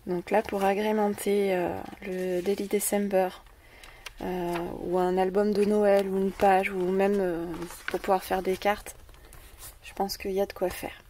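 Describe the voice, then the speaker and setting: A dark-toned, medium-pitched female voice speaks flatly at a measured pace. With a French accent, she hosts a scrapbooking video and casually shows her craft haul, stumbling through fillers and repeated words. A distant mic adds faint noise.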